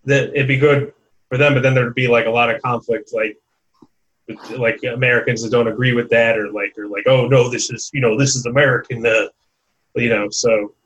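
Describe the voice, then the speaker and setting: A man's voice: medium pitch, fairly even intonation, normal speed, a bit bright, dull audio. Casual, hesitant male interviewer. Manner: casual, hesitant, many likes. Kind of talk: conversational interview.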